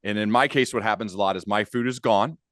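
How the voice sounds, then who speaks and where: A man's voice: fairly low pitch, fast, a bit bright, no echo, studio quality. A man hosting an interview podcast, chatting informally with anecdotes and acted-out imagined quotes. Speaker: podcast host. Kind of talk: casual interview chat.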